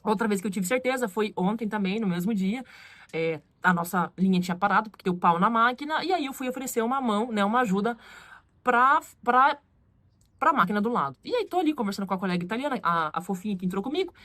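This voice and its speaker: A Brazilian woman with a Brazilian Portuguese accent telling a story in a casual vlog, animated and acting out what others said. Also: medium pitch, quick pace, no echo. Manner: animated, acts out quoted voices. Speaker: vlogger.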